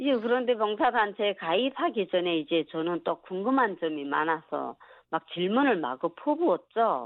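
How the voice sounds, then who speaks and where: Here a woman speaks at a moderate pace. Her pitch makes very wide swings. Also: medium pitch for a woman. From North Korea (Chongjin). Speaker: North Korean defector. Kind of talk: radio interview. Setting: phone call.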